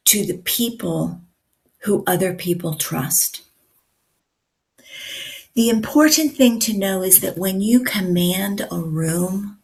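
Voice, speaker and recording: A woman teaching communication skills, her voice a little raspy from a night of yelling at a concert, speaking in a deliberate, emphatic way. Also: mid-range voice. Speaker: communication coach. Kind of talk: teaching to camera.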